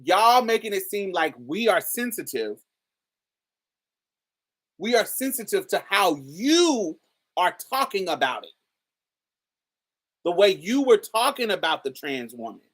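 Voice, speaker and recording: Deep-voiced woman, chatty and emphatic. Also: sing-song, a little slow, long pauses. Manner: emphatic, chatty, addresses viewers directly. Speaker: host. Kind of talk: casual commentary to camera.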